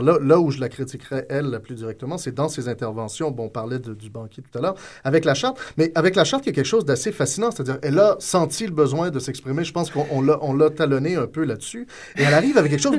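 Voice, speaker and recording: A man, discussing as a guest on a panel show in an animated, analytical way. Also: a little high. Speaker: guest commentator.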